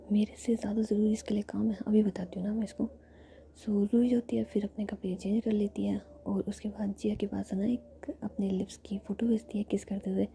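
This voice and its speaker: A woman narrating a romantic story in a steady whisper. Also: mid-range voice, creaky, a little hiss or hum. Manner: soft whisper throughout, flat delivery.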